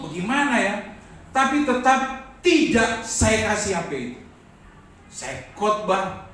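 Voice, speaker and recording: A high-voiced male pastor preaches slowly, drawing out his words and calling for amens. His voice rings through a big echoey church hall, picked up from some distance away from the mic. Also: fairly bright tone, a little hiss or hum. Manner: preaching with call-and-response amens. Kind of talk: sermon.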